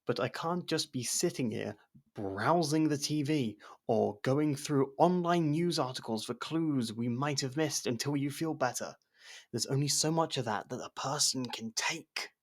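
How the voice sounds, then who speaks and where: A male voice actor plays a jailed man working a case, blunt and guarded yet wryly supportive. His voice has plenty of gravelly creak at a slightly low pitch. He talks conversationally in ASMR audio drama style, with hesitant pauses. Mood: firm, frustrated.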